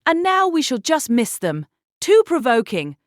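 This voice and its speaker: An actress playing a spirited young gentlewoman in a period audiobook drama, genteel, expressive and emphatic. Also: high voice, measured pace, no room sound, clean studio sound. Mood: vexed, disappointed.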